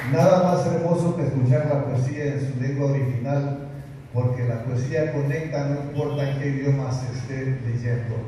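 A man at a moderate pace with fairly even intonation, strong room echo and light background noise. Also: fairly high pitch for a man. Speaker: poet reading translations. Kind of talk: poetry reading in Spanish, a calm, warm, reverent delivery, like a translation read aloud. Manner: measured, soft-spoken, expressive. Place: hall.

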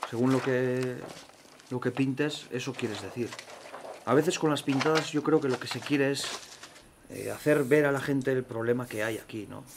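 A man with a medium-pitched voice speaks at a moderate pace, his intonation fairly even. Long, frequent pauses break up his speech, and background noise is noticeable. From Basque Country. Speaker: local resident interviewed on street. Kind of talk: street interview. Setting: outdoors. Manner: halting.

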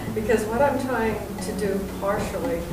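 A woman is speaking amid loud background noise. Audible room echo surrounds her voice. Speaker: community activist. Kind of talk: workshop talk. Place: meeting room. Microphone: camera far.

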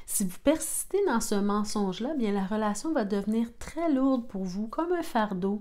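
A woman with a fairly high pitch, a dark, mellow and warm tone, lively intonation and a fairly slow pace against a quiet background. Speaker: tarot reader. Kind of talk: tarot card reading; tarot reading addressed to viewers. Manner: halting. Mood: calm, caring advice. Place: home room. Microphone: phone near.

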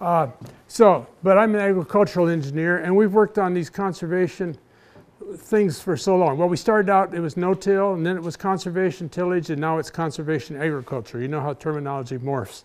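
Here a man talks in a normal speaking voice at a fairly quick pace. His pitch varies in an ordinary way. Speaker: agricultural equipment consultant. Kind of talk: equipment demonstration.

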